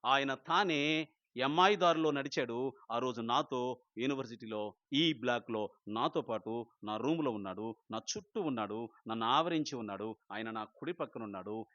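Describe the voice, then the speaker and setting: A man preaching an Easter sermon with passion, swinging from loud cries down to low, quiet lines. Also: normal speed, no echo, muffled recording. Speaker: pastor. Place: prayer house.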